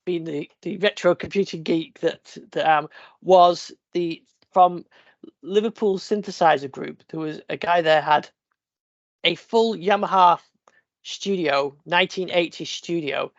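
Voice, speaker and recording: A man with a somewhat high voice hosts a casual tech podcast while fighting a cold, sounding sniffly. He rambles with many fillers and restarts, and the lo-fi sound is dull and dry with no room sound.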